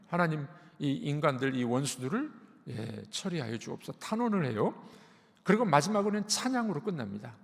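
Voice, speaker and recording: A man's voice: high voice, vocal fry, long reverb tail. A man giving a sermon as pastor, explaining patiently and repeating key words. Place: church sanctuary.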